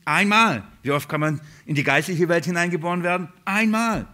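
Emphatic German-speaking male preacher. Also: a little fast. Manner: emphatic, rhetorical questions, repeats key words; swings from loud stress to quiet lowered lines. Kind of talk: sermon.

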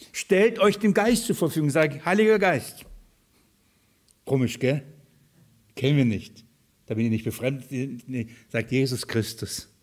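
A man preaching a sermon, asking rhetorical questions and swinging between loud calls and soft asides. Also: mid-range voice, husky. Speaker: pastor.

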